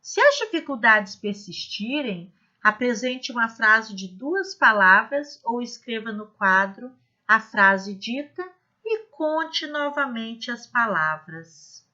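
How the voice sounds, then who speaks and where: Woman, literacy trainer, slow clear demonstrations, slightly high voice. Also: animated, sharp tone, dull audio. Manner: slow, clear, demonstrative teaching with modeled examples. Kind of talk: instructional video lesson.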